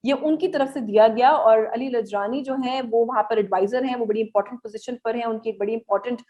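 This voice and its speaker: A Pakistani-accented woman speaks as a journalist analysing the news for viewers. Her voice sits fairly high. She explains step by step, pausing and hesitating as she goes, and drops English terms into her sentences. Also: darkish tone. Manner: hesitant, halting explanatory delivery with English words mixed in.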